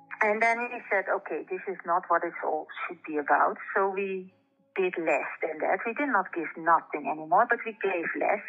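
This woman's voice sits at a medium pitch, with ordinary pitch variation. She talks at a moderate speed. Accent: Dutch. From Netherlands. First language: Dutch. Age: 50s. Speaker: missionary. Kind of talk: interview.

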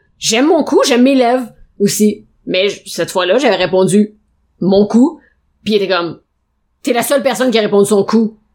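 A fairly high-pitched woman in a Quebec accent, moderate pace, very even loudness, long and frequent pauses. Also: ordinary pitch variation. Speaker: podcast co-host. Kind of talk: casual chat.

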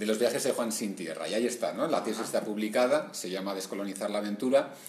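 Over noticeable background noise and audible room echo, the speech races at a very fast pace with fairly even intonation. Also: man. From Spain, Bilbao (Basque Country). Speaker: comic book author. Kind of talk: interview. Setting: public library. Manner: halting, repeats words.

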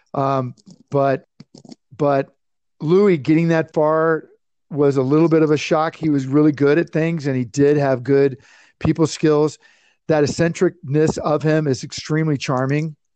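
With an American accent, a man speaks at a fairly high pitch in a dark, mellow tone with fairly even intonation. His pace is fairly slow, with long, frequent pauses, against a quiet background. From Colorado. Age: 50s. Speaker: former game contestant. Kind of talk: casual chat.

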